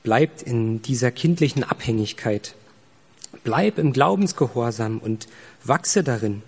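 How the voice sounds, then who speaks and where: A man preaching a sermon, speaking earnestly and directly to the listener, slowing down for emphasis. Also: mid-range voice, animated, husky, in a large hall.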